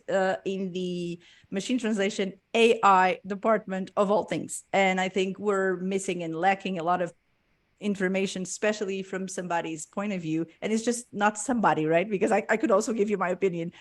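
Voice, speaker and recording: Upbeat woman podcast host, laughs often. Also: medium pitch. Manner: enthusiastic, laughs often, repeats words. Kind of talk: casual interview chat.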